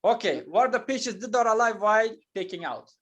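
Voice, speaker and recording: Patient teacher explaining slowly. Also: male voice, high voice, animated, a bit bright. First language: not Turkish. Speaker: English teacher. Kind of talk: online English lesson.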